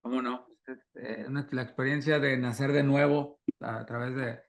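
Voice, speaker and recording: A pastor speaks in a gravelly, mid-pitched voice. He reflects on faith and parenting in a conversational way, often repeating words as he gathers his thoughts. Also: fairly even intonation, normal speed.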